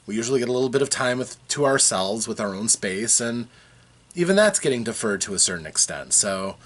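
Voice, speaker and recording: A man talking casually to his viewers from his basement, rambling with frequent fillers and restarts, his voice still a bit rough from a recent cold. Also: mid-range voice, sing-song, a little fast, fairly bright tone. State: recovering from a cold, slightly rough voice. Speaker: vlogger. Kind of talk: casual chat to camera. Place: home basement.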